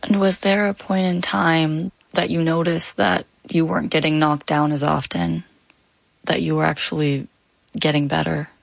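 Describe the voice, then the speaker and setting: An interviewer asking calm, measured questions. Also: mid-range voice, gravelly, dry recording.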